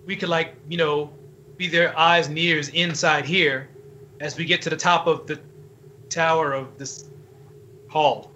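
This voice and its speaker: A man plays his character in a tabletop roleplaying game, joking goofily. His voice is bright and a little high. The recording sounds slightly dull, with faint noise behind it. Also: steady tone, a little slow, long pauses. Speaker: player.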